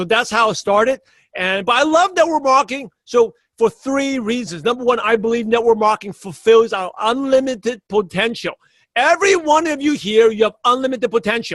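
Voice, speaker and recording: A man with a New York accent speaks at an extremely high pitch and a fairly quick pace, his intonation lively and the sound dry and close with no echo. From US Northeast, Brooklyn, New York. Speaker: network marketing trainer. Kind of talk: webinar talk. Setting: webinar call. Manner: fast; passionate, direct.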